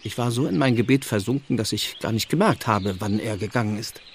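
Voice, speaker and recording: An actor playing a grave, devout village reverend who speaks solemnly and deliberately in an audio drama. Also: male voice, fairly low pitch, slight background noise, natural voice. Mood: solemn confiding. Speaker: actor in a radio play. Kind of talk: German audio drama acting.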